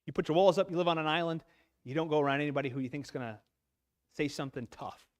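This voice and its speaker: Talking fast in a voice on the high side, a lay preacher addresses fellow men at a church talk held in the sanctuary. His sermon is earnest and full of emotion, and his voice catches as he goes.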